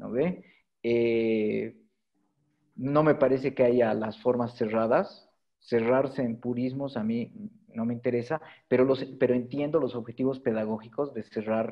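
Speaking at a fairly slow pace with fairly even intonation, a man is heard over a quiet background. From Bolivia. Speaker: theatre director; invited theatre artist on panel. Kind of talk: panel discussion. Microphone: video call.

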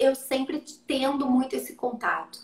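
A woman's voice carries audible room echo. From Porto Alegre, southern Brazil; Rio Grande do Sul, Brazil. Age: 40s. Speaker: dancer and dance teacher; dance teacher. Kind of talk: interview, personal story; interview answer. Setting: online live stream. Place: home room. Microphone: earbuds.

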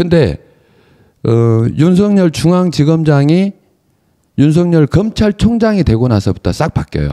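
Against a quiet background, a man with a dark, mellow tone and fairly high pitch speaks at a fairly slow pace, holding very even loudness through very wide pitch swings and long, frequent pauses. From South Korea, Gwangju. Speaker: activist group leader, army veteran. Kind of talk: interview. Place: studio. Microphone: studio mic.

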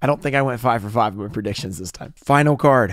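Through light background noise, a man talks at a very fast pace with lively intonation in a dry sound with no echo. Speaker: card collecting youtuber; card collector youtuber. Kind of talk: casual card grading reveal. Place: home room. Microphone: studio mic.

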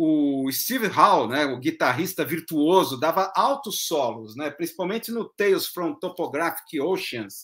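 A high-pitched man with a bright, sharp tone talks at a fairly slow pace, his pitch swinging very widely against a quiet background. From Brazil, Santos (São Paulo state); São Paulo state, Brazil. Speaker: blogger and live stream host; blogger, live stream host. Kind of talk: casual live stream commentary. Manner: hesitant, repeats words. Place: home room. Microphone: webcam.

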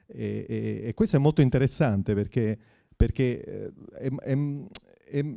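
With ordinary pitch variation, a man's dark, mellow tone comes across over a quiet background. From Italy. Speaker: composer and guitarist; panelist. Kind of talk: panel discussion. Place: hall.

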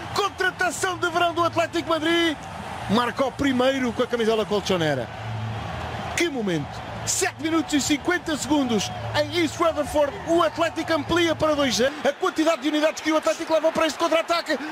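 A man's extremely high-pitched, animated, excited voice at a fairly quick pace, very even in loudness, with noticeable background noise. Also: ordinary pitch variation. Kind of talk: live football commentary, play-by-play. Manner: animated, fast, excited on goals.

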